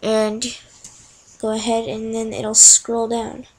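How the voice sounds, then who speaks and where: A young woman chatting through each click in a casual screen-recorded software tutorial. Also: a little high, monotone, slow pace, slight background noise, rough recording. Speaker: tutorial narrator.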